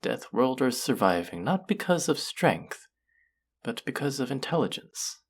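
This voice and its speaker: An actor playing a haughty, mocking, cultured alien buyer in an audio roleplay, speaking to the listener in a deliberate, condescending, theatrical way. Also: mid-range voice, very animated, slightly rough, heavily acted. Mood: teasing, condescending.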